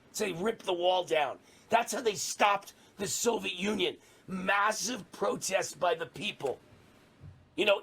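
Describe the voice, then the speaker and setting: A man's voice: sits high, fairly bright tone. A middle-aged man from New York hosting a political talk show, ranting with fiery emphasis. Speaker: talk radio host.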